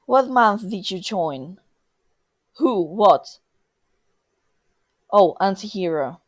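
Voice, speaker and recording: A woman's voice: mid-range voice, lively intonation, very slow. A woman in a casual chat as a podcast co-host, speaking in a hesitant, self-effacing way.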